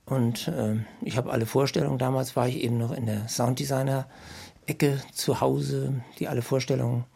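Casting: mature male musician, mid-pitched gravelly husky voice, reminiscing off the cuff, halting and repeating himself for emphasis. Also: steady tone, darkish tone. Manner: halting, searching for words, emphatic repetitions. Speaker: musician and sound designer recalling past work. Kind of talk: spontaneous reminiscence.

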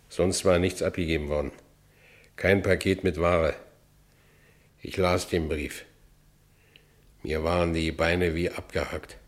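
Brooding Berlin ex-convict, very deep voice, working-class, colloquial, bitter, radio drama monologue. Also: male voice. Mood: wry, brooding. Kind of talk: first-person radio play narration.

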